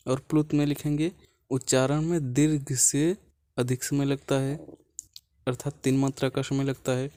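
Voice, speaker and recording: Guy teacher going thru a lesson plan slowly, patient, repeats stuff a lot, mid pitch, dry close mic. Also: warm tone, no echo. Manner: patient, repeats points, says "ठीक है" often. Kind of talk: explaining a lesson plan step by step.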